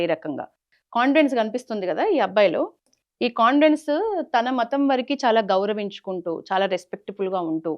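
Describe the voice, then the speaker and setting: Telangana telugu lady doing news commentary, talks quick, explains things earnestly, slightly muffled audio. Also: fairly high pitch. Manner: earnest, explanatory, mixes in English words. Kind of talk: phone interview and spoken news commentary.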